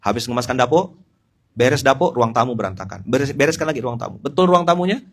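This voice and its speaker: Middle-aged male preacher, animated and humorous, addresses listeners directly. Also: mid-range voice, fast. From Pontianak, West Kalimantan. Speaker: Islamic preacher. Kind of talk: informal sermon.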